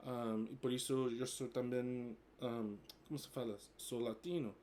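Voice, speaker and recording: A man in his forties from the United States, a native English speaker, vlogs casually and hesitantly to camera, switching between Portuguese and English and using many fillers. His medium-pitched voice is steady, a little slow and slightly mellow, with slight background noise.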